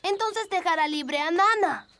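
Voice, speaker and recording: A little cartoon elf boy, curious and well-mannered. The voice is extremely high Latin American Spanish, with faint noise in the background. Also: a little slow. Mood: worried. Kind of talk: children's cartoon dubbing.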